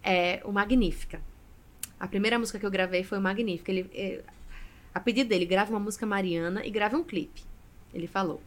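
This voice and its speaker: A woman's voice: medium pitch, a little fast. A woman, a guest Catholic singer telling her story expressively in a casual podcast interview. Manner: expressive storyteller, often adds "né".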